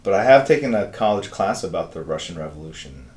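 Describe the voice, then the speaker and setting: Chatting with viewers during his live drawing stream, this fifty-something man reads their messages and wanders through answers full of filler words. He speaks fast and animatedly in a low, somewhat dark voice, and the room is echoey.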